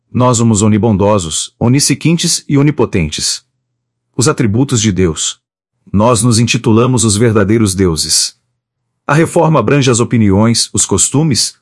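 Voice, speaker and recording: A man reading a chapter of an audiobook in a steady, measured way. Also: mid-range voice, dry recording, studio quality. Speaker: audiobook narrator.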